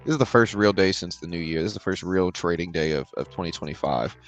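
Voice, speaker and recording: A tired man with a very deep voice, hosting a live trading stream in a relaxed, rambling way and answering chat questions. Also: fast, muffled recording, soft background music. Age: adult with a daughter. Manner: relaxed, rambling, filler-heavy explaining. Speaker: livestream trading host. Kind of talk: casual live market commentary, reading chat questions.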